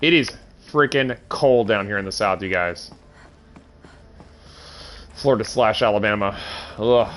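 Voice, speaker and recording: A man's voice: fairly low pitch, measured pace, long pauses, fairly bright tone. Congested man chatting over his game. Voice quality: nasal. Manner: rambling, chatty asides to viewers. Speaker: streamer playing a game. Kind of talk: casual game commentary.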